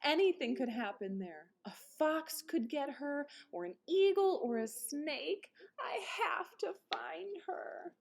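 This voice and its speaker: A woman's voice: high-pitched, lively intonation, slow pace, vocal fry, few pauses, voice pushed up, heavily acted. A woman voicing a worried young boy rabbit, an anxious big brother who exclaims and calls out, in a children's storybook read-aloud. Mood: panicked, worried.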